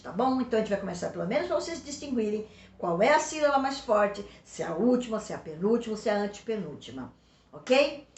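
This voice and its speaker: A woman with a Brazilian Portuguese accent, a teacher giving a recorded remote school lesson. She talks patiently, checks in often with short questions, and stretches example words out slowly. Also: mid-range voice, roomy sound.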